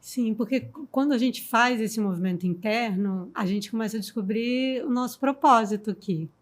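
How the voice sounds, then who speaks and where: A woman storyteller, guest on a podcast, talking in a calm, reflective and softly emphatic way. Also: on the high side, moderate pace. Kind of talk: reflective conversation.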